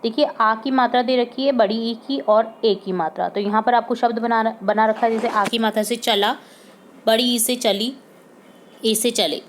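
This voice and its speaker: A woman teacher works through a worksheet, reading word lists slowly and clearly. Her voice sits fairly high, and English terms slip into her explanations. A faint hiss runs under the recording. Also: steady tone. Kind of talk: worksheet solution lesson.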